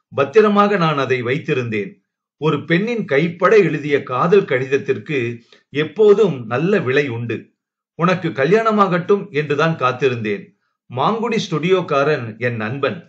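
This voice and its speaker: A man's voice: fairly high pitch, expressive, measured pace. A man voicing a scheming male blackmailer who speaks in a coaxing, menacing way. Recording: dull lo-fi recording.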